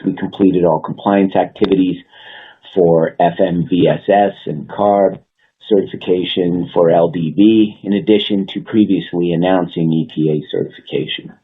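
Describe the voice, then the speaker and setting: Male executive, very low husky register, measured businesslike earnings-call delivery, narrow phone-line audio. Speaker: company executive. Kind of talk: prepared earnings call remarks. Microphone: conference call line.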